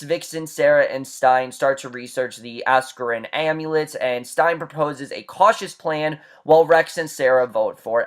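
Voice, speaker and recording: A man's voice: a little high, fairly bright tone. A man giving a casual recap and review of a TV episode, chatty and full of fillers and restarts.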